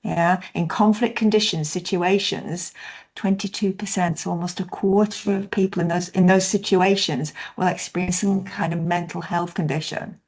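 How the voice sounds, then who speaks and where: A woman's voice: on the low side, fairly even intonation, moderate pace, darkish tone. A woman trainer leading an online session over a video conference call, explaining steadily and often checking in with "yeah?". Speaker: workshop trainer.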